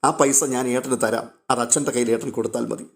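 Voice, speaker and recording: A man voicing a gentle younger brother who speaks softly and reassuringly. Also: medium pitch, flat delivery, fast talker, gravelly, voice pushed down, lightly acted. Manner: soft, reassuring.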